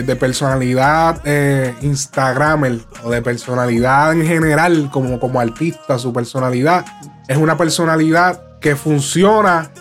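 Puerto Rican guy, casual podcast chat, animated and slangy, slightly high pitch. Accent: Puerto Rican Spanish. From Puerto Rico. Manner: animated, slangy, acts out quotes in high voices.

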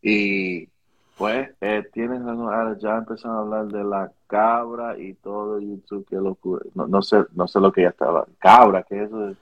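This interview guest, a music video director, speaks Spanish with a Caribbean accent, answering casually while repeating words and slipping in English phrases. His voice sits lowish, with a steady tone and normal speed, though the recording sounds muffled.

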